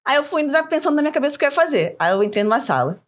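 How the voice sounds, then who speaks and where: A young Brazilian woman with a Rio accent tells a story quickly and with energy, in a voice pitched a bit high. She laughs often and acts out what people said as a guest on a casual podcast. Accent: Rio de Janeiro Portuguese. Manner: animated, laughs often, acts out quoted lines.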